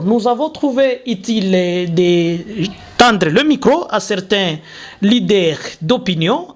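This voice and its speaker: A man, hosting a talk show interview and pausing often with fillers. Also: sits high. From Congo. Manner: hesitant, many fillers and restarts. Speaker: host.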